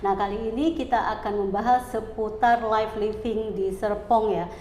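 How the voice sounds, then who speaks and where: A woman's voice: mid-range voice, steady tone, normal speed, warm tone. A woman hosting a podcast, chatty and upbeat as she introduces the episode and asks her guest questions. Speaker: podcast host. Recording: echoey room with long reverb and faint hiss.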